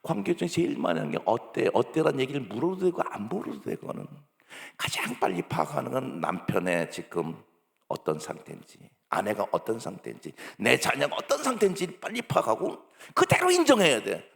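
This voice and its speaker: A male pastor preaching, acting out parents and children in lively bursts. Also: gravelly. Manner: acts out parent and child dialogue with sudden high-pitched bursts. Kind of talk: sermon. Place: church sanctuary. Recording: long church hall reverb.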